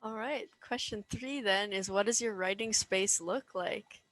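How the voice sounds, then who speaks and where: A woman's voice: medium pitch, unhurried, a bit bright, dry recording. A woman co-hosting a podcast, asking questions and chatting in a casual conversational style. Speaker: podcast co-host interviewer.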